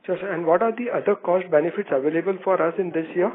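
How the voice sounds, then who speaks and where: A male analyst with a slightly high voice asks questions over a narrow, tinny phone line. His questioning is formal, polite and deferential. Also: quick pace. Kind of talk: formal conference call questioning. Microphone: telephone conference call.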